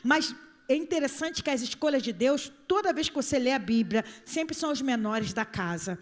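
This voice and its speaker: A woman's voice: high-pitched, expressive, moderate pace, long reverb tail. A Brazilian woman pastor giving an informal sermon, emphatic, repeating phrases and putting questions to her listeners. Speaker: pastor preaching to a congregation. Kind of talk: informal sermon with acted asides and scripture reading.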